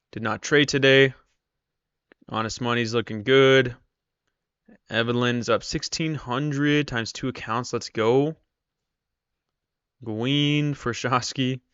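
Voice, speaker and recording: A man's voice: medium pitch, steady tone, slow, long pauses, a bit bright, clean tone, no echo, highs cut off. A man hosting a casual live stream, chatting with viewers while losing his voice. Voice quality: strained, tired voice. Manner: chatty, reads viewer comments aloud. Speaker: live-stream trader host.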